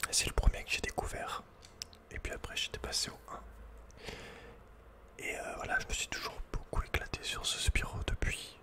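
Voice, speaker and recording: A man whispering breathily as an ASMR host playing a video game, chatting informally with playful asides. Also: extremely high pitch.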